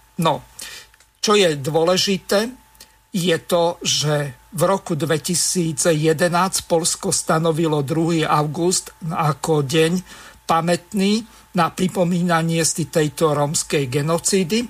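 A man speaks very slowly in a high voice, his loudness very even and his intonation fairly even, over noticeable background noise. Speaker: radio host. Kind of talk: moderated discussion show.

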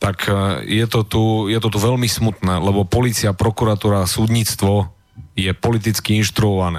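With a normal speaking voice, a man talks at a moderate pace with fairly low pitch, very even loudness and fairly even intonation. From Slovakia, Ilava. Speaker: small-party coordinator, former policeman. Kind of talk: studio panel discussion. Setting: studio.

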